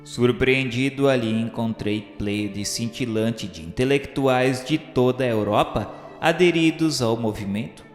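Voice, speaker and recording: A man's voice: medium pitch, unhurried, hardly any pauses. A man with a Brazilian accent gives a solemn, formal, literary scripted narration, as the narrator of a radio novel. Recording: echoey hall-like reverb. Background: music.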